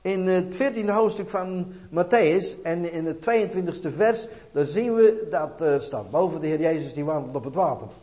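A man preaching a sermon, reading scripture and then putting questions straight to his listeners, swinging between soft and loud. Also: fairly high pitch, normal speed, hardly any pauses. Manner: questions the listener directly, dramatic swings in loudness. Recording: dull lo-fi recording.

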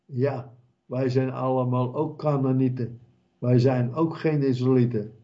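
A man preaching a sermon in a slow, emphatic way, repeating key words for weight. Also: medium pitch, steady tone, highs cut off.

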